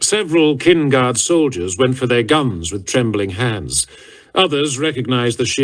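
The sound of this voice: With lively intonation, the reading voice stays unforced.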